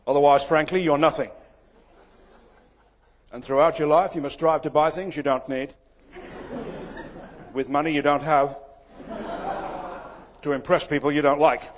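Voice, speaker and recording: A slightly high-voiced man with a Manchester accent addresses a room as a comic keynote speaker. His humour is dry and self-deprecating, and he sets up each joke plainly. A faint noise sits under the recording. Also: fairly even intonation, a little slow, pauses often. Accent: Manchester English. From England. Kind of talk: comic keynote speech to a live audience. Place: event venue before a live audience.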